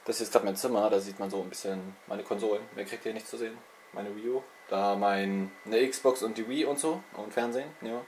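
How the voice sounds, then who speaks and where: A man's voice: lowish voice, steady tone, fairly quick, darkish tone, slight background noise. A young man hosting a gaming channel, chatting loosely and self-mockingly with lots of fillers, a little congested from a cold, recorded on a handheld camera in his bedroom. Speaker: let's play channel host. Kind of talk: casual rambling info vlog. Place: bedroom with TV and consoles, indoors. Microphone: handheld video camera's built-in mic.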